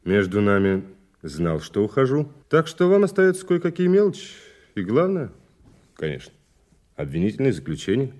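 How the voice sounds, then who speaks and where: A man's voice: lowish voice, wildly swooping pitch, moderate pace, a little mellow. A man playing an urbane, playful new prosecutor in an audio drama, speaking in an ironic, conversational way. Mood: confiding, persuasive. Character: urbane, playful male investigator, newly promoted to prosecutor. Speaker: actor in an audio play. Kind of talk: naturalistic audio drama dialogue.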